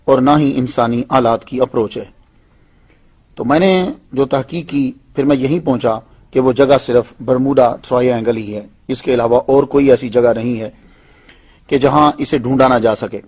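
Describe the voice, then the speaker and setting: A man who is an Islamic scholar, calling into a radio show over a phone line and giving a measured religious lecture. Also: mid-range voice, steady tone, a little mellow, husky. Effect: heard over a phone line into a radio show.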